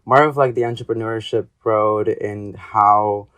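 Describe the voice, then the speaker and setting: A man's voice: on the low side, steady tone, a little slow, fairly bright tone, clear, resonant tone. A young adult man from Ecuador, an interview guest talking casually with hesitant, rambling speech and many fillers. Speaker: guest, artist and graduate student.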